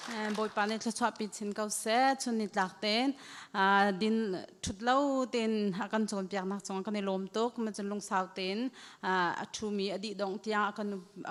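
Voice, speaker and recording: Woman speaking in a reverberant hall. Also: medium pitch. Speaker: church speaker. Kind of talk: church talk. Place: church hall.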